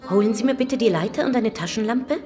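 An actress playing a keen, friendly female archaeologist in a German audio drama, brisk and confident in manner. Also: fairly high pitch, over music, close to an everyday voice. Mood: brisk, eager.

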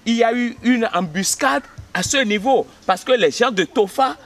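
A man in his fifties from Benin, a history teacher, telling village history in an outdoor interview, pausing on fillers and often checking he is understood. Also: very high-pitched. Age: 50s. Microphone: camera at close range.

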